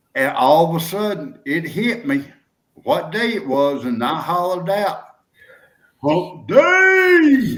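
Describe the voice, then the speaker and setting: Amid audible room echo, a man with a high pitch talks at a very slow pace, his pitch swinging very widely. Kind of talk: casual chat. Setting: late at night at home. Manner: loud.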